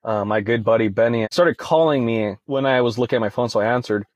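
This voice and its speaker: A man's voice: medium pitch, brisk, dry recording. A young man speaking as a guest in a casual interview, retelling events conversationally and leaning on "you know" fillers. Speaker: podcast guest.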